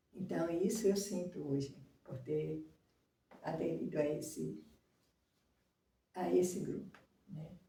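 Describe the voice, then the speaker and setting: Pausing long and often, a woman speaks fairly slowly in a fairly low voice with vocal fry and ordinary pitch variation, with audible room echo. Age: 60s. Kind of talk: informal sermon. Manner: halting, with frequent fillers.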